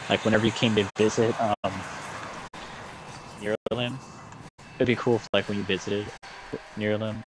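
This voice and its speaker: A man's voice: lowish voice, background noise. A man giving casual, rambling and slangy gameplay commentary as a let's play host. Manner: laid-back, rambling, slangy. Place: small room indoors with purple lighting. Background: video game music.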